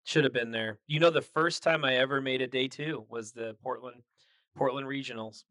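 A man's voice: medium pitch, fairly even intonation, moderate pace, a bit bright, dry recording. A man co-hosting a podcast in casual chat, joking and laughing often, with plenty of fillers and restarts. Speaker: podcast co-host.

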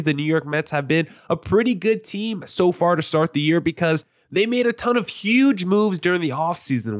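A young man with a stuffy, nasal voice from allergies, hosting a casual sports podcast, moving briskly from plugs to game stats. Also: a little high, dry recording, clean studio sound. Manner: brisk, self-promoting, stat-heavy. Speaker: podcast host.

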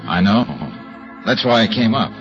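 An actor playing a wry, self-assured private detective with a dry, teasing manner, in 1940s radio drama style. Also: male voice, medium pitch, normal speed, close to an everyday voice. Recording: dull lo-fi old radio recording with music.

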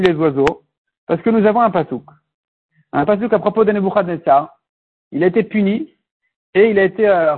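A man with a high, husky voice leads a Talmud lesson. He works through each term patiently, slipping in Hebrew and Aramaic words. The recording sounds thin and phone-like. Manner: explains step by step, mixes Hebrew and Aramaic terms. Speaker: Talmud teacher. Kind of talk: Talmud class explanation.

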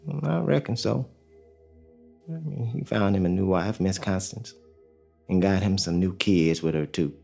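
A deep, gravelly young father. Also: a little slow, pauses often, mellow, soft background music, full character voice. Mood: steady. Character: young enslaved male father, steady and hopeful. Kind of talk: audio drama acting.

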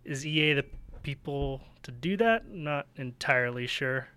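A man chatting casually on a gaming podcast panel, weighing both sides in a measured way. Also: medium pitch, expressive, sharp tone. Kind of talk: casual panel chat about video games.

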